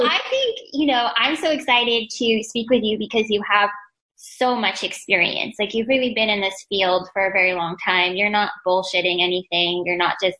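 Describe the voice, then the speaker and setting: A woman's voice: mid-range voice, sharp tone, poor audio. A woman hosting a podcast, introducing and praising her guest in an effusive, chatty way. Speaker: podcast host. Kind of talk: casual interview talk.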